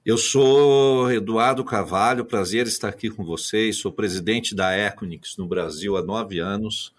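A man's voice: fairly low pitch, measured pace. A man answering interview questions as a company executive, in a corporate tone that halts on repeated words. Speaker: guest, company president.

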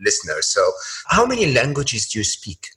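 A man's voice: medium pitch, wildly swooping pitch, normal speed, sharp tone, husky, rough recording. A man hosting an interview podcast, moving between scripted introduction and conversational questions. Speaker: podcast host.

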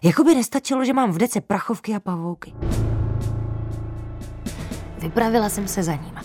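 A woman narrating a children's story in the first person, in a lively, expressive way. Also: mid-range voice, over music.

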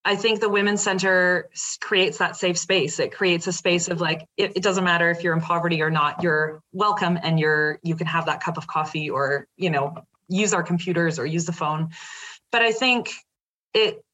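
A woman in her thirties from the Netherlands, a guest speaking in a relaxed interview, thoughtful and halting with many fillers and restarts. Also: lowish voice. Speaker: guest from a women's center. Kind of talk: casual interview talk.

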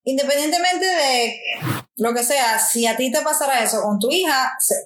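A woman in a casual conversation who keeps the other speaker going with questions and quick reactions, and drops into English now and then. Her voice sits a little high, and the room gives it a clear echo. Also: a little hiss or hum. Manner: prompts and reacts, switches into English. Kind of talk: casual chat. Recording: echoey room.

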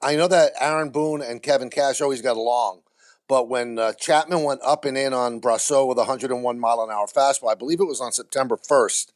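A man's voice: medium pitch, a little fast. A man speaking as an interview guest, candid and blunt, with vivid comparisons. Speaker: baseball TV play-by-play announcer, guest.

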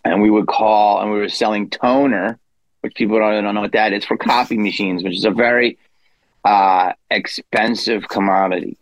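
A man's voice: fairly low pitch, fairly even intonation, normal speed, no room sound, poor audio. A man in his fifties, a guest comedian telling a rambling story in a casual interview, with self-deprecating asides. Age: 50s.

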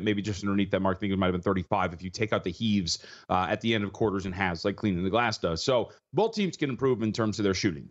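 Husky, tired man talking fast. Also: lowish voice, dull audio. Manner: fast, stat-heavy, with frequent restarts. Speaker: betting analyst guest. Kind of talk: rapid sports betting analysis.

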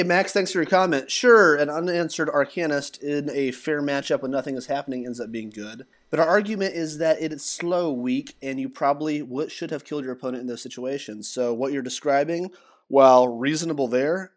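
A man co-hosting a podcast in casual chat, earnestly explaining his arguments. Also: medium pitch. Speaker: podcast co-host.

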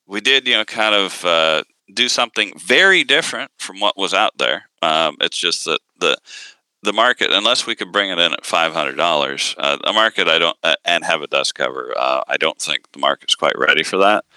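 A man with a low voice that is bright and forceful in tone, and a lively, swinging delivery. He talks casually as a company founder in an interview, hesitating and restarting often. The sound is dry and close. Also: moderate pace, clear, resonant tone, no room sound, low-quality recording. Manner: hesitant, many fillers and restarts.

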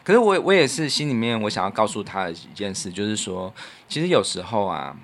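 A man's voice: on the low side, big pitch swings, fairly quick, gravelly, a bit bright. A man with a Taiwanese Mandarin accent hosting a podcast in casual, reflective chat, telling anecdotes in an earnest way. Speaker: podcast host; musician.

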